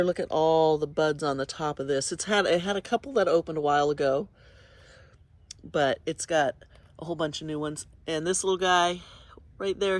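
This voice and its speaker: A garden vlogger strolls through her outdoor home garden early in the morning, chatting casually and pointing things out in a meandering way. Her voice is deep yet fairly bright, congested and sniffly, and the recording is dry.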